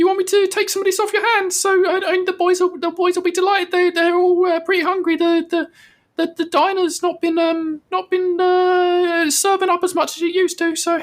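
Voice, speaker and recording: This is a put-on character voice, squeaky and extremely high in pitch. It moves at a fairly quick pace with a monotone, flat intonation. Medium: actual play. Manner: chatty, rambling, stammering.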